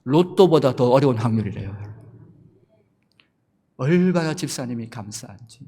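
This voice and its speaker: Pastor guy preaching, lively up-and-down voice, big church echo. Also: medium pitch, moderate pace, breathy edge. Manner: storytelling sermon that swells from soft to loud. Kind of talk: sermon. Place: church sanctuary. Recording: long church reverb.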